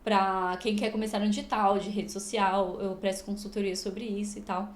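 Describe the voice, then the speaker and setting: A talkative Brazilian woman chats as a podcast guest and drifts from point to point. She acts out little quoted remarks along the way. Her voice sits at an ordinary pitch, and the room around her has a noticeable echo. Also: level tone, moderate pace. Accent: Brazilian Portuguese. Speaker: guest, medical student and influencer. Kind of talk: casual podcast chat.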